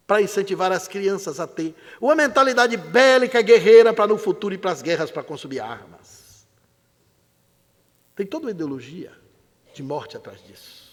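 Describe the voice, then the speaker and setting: An older Brazilian man giving a spiritist lecture to a live audience in a large theater, an animated, dramatic storyteller. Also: high voice. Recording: long reverb of a theater hall.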